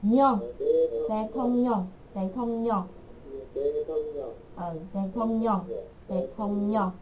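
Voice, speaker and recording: A woman teaching an online language class, repeating words slowly and patiently for her learners. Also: mid-range voice, steady tone, a little mellow, a little hiss or hum, poor audio.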